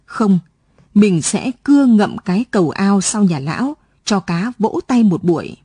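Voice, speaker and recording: A woman reading a story aloud in measured, scripted radio narration, recorded in a broadcast studio. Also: mid-range voice, sing-song, mellow, husky, no room sound.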